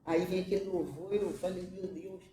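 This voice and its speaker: A mother giving an emotional religious testimony, halting and repeating her words, tearful at times. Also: fairly low pitch, steady tone, echoey room, recorded from a distance.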